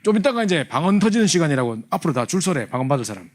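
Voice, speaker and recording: Fast, lively man. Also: a little high. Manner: animated storytelling, acting out his younger self. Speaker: church youth leader teaching a training class. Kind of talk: humorous testimony in a church lesson.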